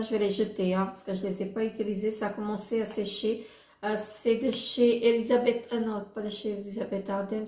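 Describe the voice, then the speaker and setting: A woman vlogger casually showing her makeup products, halting often with fillers and restarts. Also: medium pitch, darkish tone, roomy sound. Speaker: beauty vlogger.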